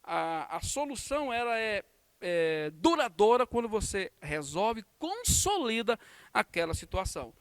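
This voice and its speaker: A man's voice: sits high, big pitch swings, measured pace, clear, resonant tone, dry recording. A man with a Brazilian Portuguese accent teaching a Sunday school lesson as pastor, telling a story and acting out the lines people said. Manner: storytelling with acted-out quotes and warm laughs. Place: church.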